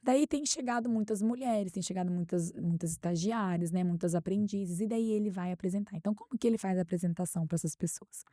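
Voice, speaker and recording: A Brazilian woman speaks as an interview guest and tells anecdotes with lively energy. Her mid-pitched voice sounds soft and mellow. The recording is close and dry. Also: fast talker, hardly any pauses, no room sound. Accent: Brazilian Portuguese. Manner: animated anecdote-telling, acts out quotes. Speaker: guest expert on workplace harassment. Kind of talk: conversational interview storytelling.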